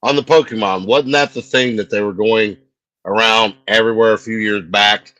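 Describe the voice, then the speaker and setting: A man's voice: on the low side, fairly even intonation, normal speed, bright, forceful tone, no echo, rough recording. A man chatting casually as co-host of a talk show. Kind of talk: casual chat.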